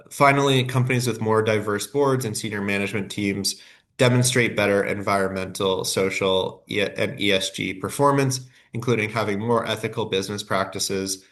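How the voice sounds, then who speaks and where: A man's voice: on the low side, fairly bright tone. A man with a head cold and a nasal voice, giving a scripted workshop presentation with frequent fillers and self-corrections.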